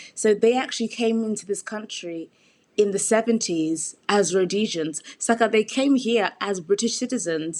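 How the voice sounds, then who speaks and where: The woman has a South London accent. Her pitch is fairly high, and her pace is moderate. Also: ordinary pitch variation. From South London, England. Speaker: actor. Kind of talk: interview.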